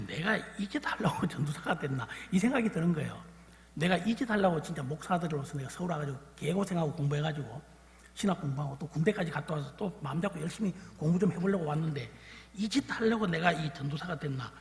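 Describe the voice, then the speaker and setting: A man in his sixties preaching a sermon as pastor, moving between loud exhortation and quiet storytelling. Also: fairly high pitch, expressive, fast talker. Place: church sanctuary. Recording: echoey church hall with long reverb.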